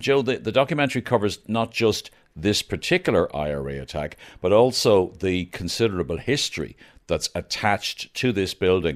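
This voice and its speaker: A man with an Irish accent and fairly low pitch talks at a moderate pace with very wide pitch swings, in a very clean recording with a silent background. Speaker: radio host. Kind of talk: radio interview.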